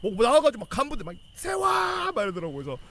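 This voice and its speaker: A young man casually telling a rowdy army story, swearing a lot and shouting out the officers' lines. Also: sits high, rapid-fire, a little hiss or hum. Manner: animated, swearing, acts out yelling officers.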